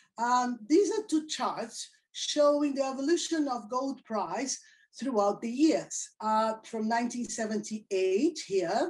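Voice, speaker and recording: With a Brazilian accent, a woman speaks at a very slow pace in a high pitch. Her pitch swings very widely. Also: quiet background. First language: Portuguese. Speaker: geology professor. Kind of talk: conference presentation. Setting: video call. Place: home room. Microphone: video call.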